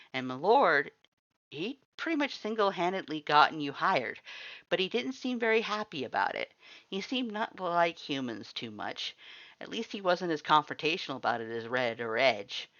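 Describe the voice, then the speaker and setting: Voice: medium pitch, bright, forceful tone. An amateur narrator reading scripted fan fiction in the second person, telling the scene as a story. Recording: roomy echo, slightly dull sound.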